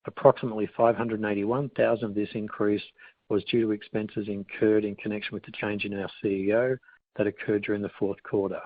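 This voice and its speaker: A man in a company finance role reads a scripted earnings call presentation in a formal, measured way. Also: on the low side. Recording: boxy phone-like line with room echo.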